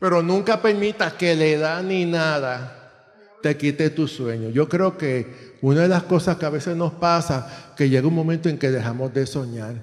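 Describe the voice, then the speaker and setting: A man talks at a moderate pace. His pitch is fairly high, and he has an unremarkable speaking voice. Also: ordinary pitch variation. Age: 60s. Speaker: lay preacher. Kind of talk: sermon.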